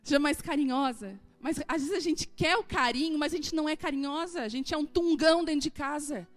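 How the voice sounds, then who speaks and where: A woman's voice: high-pitched, a little fast, faint music behind. A woman in her forties, a pastor, preaching a sermon in a church and acting out dialogue as she tells stories. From southern Brazil. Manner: animated storytelling, acting out dialogue. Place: church hall.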